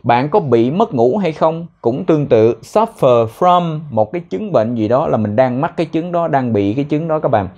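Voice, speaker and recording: A young man teaching spoken English in a casual way, explaining phrases and repeating words slowly so learners can copy them. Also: on the high side, expressive, darkish tone, lo-fi sound.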